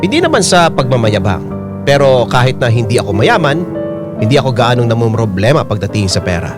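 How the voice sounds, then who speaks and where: A man's voice: mid-range voice, big pitch swings, a little fast, loud music behind the voice, close to an everyday voice. An actor playing a lovestruck gay salon worker, narrating his own story in a confiding, earnest way for a radio drama. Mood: chatty, confident. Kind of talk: scripted first-person radio drama narration.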